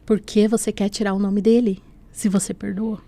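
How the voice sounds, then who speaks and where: A woman's voice: mid-range voice, flat delivery, normal speed, gravelly, dark tone. A woman from Brazil telling her personal faith testimony as a podcast guest, earnest and emotional, often adding "né?". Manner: earnest, often adds "né?" and "assim".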